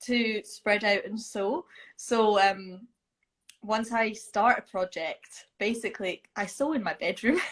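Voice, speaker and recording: A woman talks in a somewhat breathy voice. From Scotland, near Glasgow. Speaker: sewing competition winner and author. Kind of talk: casual interview chat. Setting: live video call. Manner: gentle.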